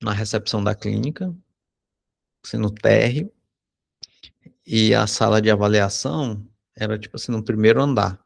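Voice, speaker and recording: Brazilian guy teaching psych, kinda low gravelly voice, chatty, keeps checking in w/ the listener. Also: normal speed, pauses often. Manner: conversational, frequent tag questions. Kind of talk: anecdote told in a recorded lesson.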